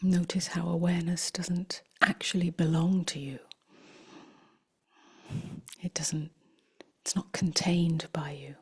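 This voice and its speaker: A woman leads a guided meditation in a slightly low, very husky and breathy voice that often slips toward a whisper. She speaks very slowly and gently, leaving long pauses between short phrases of instruction. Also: little pitch movement. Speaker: meditation teacher. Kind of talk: guided meditation, slow and contemplative.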